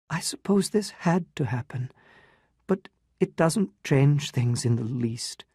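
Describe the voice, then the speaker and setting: A woman's voice: deep voice, dark tone, breathy edge, no echo, studio quality, voice pushed up, exaggerated voice. A reader voicing an anguished, restrained young woman in a dramatized story reading, with emotional, pleading delivery.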